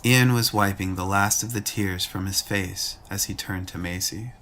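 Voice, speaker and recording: A man's voice: sits low, steady tone, moderate pace, sharp tone, a little hiss or hum. A man reading scripted, dramatic story narration as the narrator of an audio drama.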